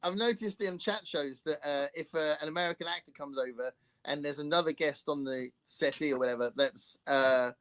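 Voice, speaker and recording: A man's voice: a little high, fairly quick, a bit bright. A man from Hampshire with a southern English accent, co-hosting a casual chat, talking with many hesitations. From Hampshire, England. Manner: chatty, hesitant with fillers. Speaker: co-host.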